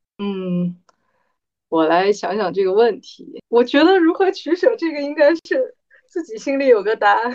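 The pitch swings very widely and the loudness rises and falls a lot. The pace is fairly slow. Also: woman, high pitch for a woman. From Guangdong, Zhuhai. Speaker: recent graduate. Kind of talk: casual chat.

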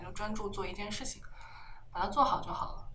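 A woman at a very fast pace, fairly even intonation, audible room echo around her. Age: young. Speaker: screenwriter. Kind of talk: casual chat.

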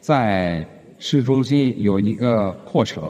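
A man's voice with very wide pitch swings. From Siberia, Russia. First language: Russian (speaking Chinese). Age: 30s. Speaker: fashion designer. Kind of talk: casual chat. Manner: halting.

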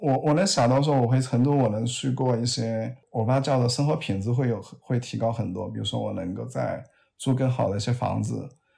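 The speaker talks at a moderate pace with lively intonation, a dark, mellow tone and a somewhat breathy quality. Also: man. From Sichuan, China. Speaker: internet product manager. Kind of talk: casual chat.

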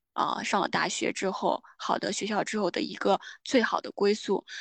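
A woman speaks with vocal fry. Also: dry, close sound with no echo. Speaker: graduate student. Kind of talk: interview conversation.

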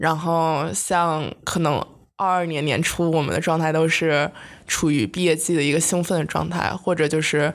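A woman's very deep, low voice at a moderate pace, with very even loudness and fairly even intonation, on a very clean recording with a silent background. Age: 20s. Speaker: podcast co-host, student. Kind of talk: casual chat.

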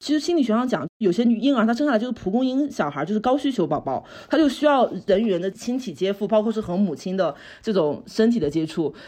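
A woman talks at a very fast pace with a dark, mellow tone. Her fairly high pitch swings very widely. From Shandong, China. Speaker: listener participant. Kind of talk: personal story. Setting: remote recording with headphones.

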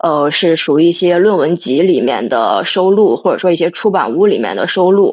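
A woman's fairly low-pitched, an ordinary speaking voice with ordinary pitch variation and a moderate pace. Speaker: undergraduate student caller. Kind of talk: call-in question.

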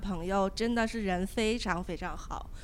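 Speaking at a moderate pace, a woman with a fairly high pitch has a plain, everyday voice. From not Sichuan, lived in Beijing 13 years. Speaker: former pharma employee, audience member. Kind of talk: casual group discussion.

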